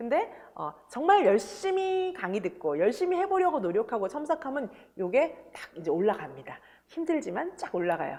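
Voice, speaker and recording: A woman's high-pitched voice with very wide pitch swings and big swings in loudness. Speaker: exam prep lecturer. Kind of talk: online lecture. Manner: fast.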